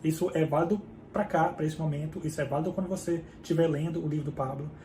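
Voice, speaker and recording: A man's voice: a little high, fairly even intonation, fast talker, warm tone. A man with a Brazilian Portuguese accent hosting a casual book summary, explaining in a conversational way and often checking in with the listener. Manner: conversational, keeps checking in with "tá?" and "certo?". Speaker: book summary channel host. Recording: echoey room with faint background hum.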